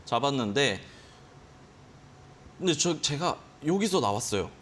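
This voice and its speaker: Unhurried and sing-song, his mid-range voice has a fairly bright tone over slight studio background noise. The day trading instructor explains at length on a finance broadcast, acting out his own instinctive reactions with quoted exclamations.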